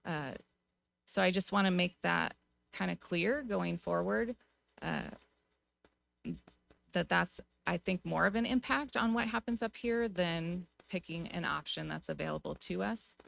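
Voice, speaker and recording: An American woman speaking as a city council member at a public meeting, giving her view in a measured, informal way. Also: on the low side, creaky, a bit bright. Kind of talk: deliberative public meeting remarks.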